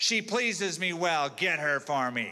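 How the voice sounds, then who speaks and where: In a put-on, growling character voice, a man speaks at a high pitch, fairly slowly, with lively intonation. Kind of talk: curt, commanding. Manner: impudent, sassy, demanding.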